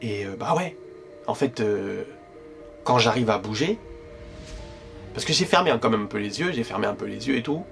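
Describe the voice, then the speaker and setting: Slangy, animated male storyteller. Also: fairly low pitch, moderate pace, creaky, pauses often, faint music behind. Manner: slangy, animated, addresses the listener with constant asides. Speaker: YouTuber telling a storytime. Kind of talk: casual storytelling to camera. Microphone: directional microphone.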